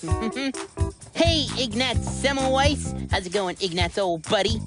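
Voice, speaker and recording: A woman voicing a curious, cheerful young boy scientist in a children's cartoon, excitable and sing-song. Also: a little high, a little slow. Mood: excited. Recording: studio voice with music bed.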